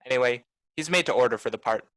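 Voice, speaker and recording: A man's voice: medium pitch, quick pace, fairly bright tone, no room sound, natural voice. A man playing a cool, shrewd private detective in a film noir radio play, with a clipped, tough delivery. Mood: cool, insistent. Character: hard-boiled male private detective, cool, shrewd, commanding.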